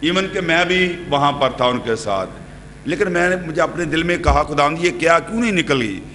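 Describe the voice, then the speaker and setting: A man's voice: fairly high pitch, lively intonation, moderate pace, bright, forceful tone. A middle-aged man preaching a sermon at a podium, asking the congregation questions and gesturing broadly. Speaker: pastor. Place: church hall with brick wall, indoors. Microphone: podium microphones. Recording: reverberant church hall with faint hum.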